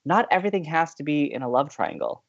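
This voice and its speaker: A woman's voice: low voice, very animated, quick pace, creaky, muffled recording, full character voice. A woman playing an upbeat, teasing, hopelessly romantic college radio co-host in an audio drama, talking in playful, emphatic banter. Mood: breezy, encouraging. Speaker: actor in a romantic comedy podcast.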